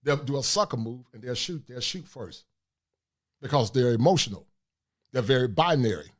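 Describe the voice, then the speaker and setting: A middle-aged man with a deep voice, hosting a livestream talk show, speaking forcefully and reading shout-outs from the chat. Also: lively intonation, normal speed. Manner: forceful, preachy, reads chat aloud. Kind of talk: casual livestream monologue.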